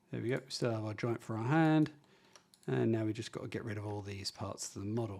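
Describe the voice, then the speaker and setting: A man talks at a very fast pace in a fairly low pitch with ordinary pitch variation. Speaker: game developer tutorial creator. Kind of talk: tutorial. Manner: casual.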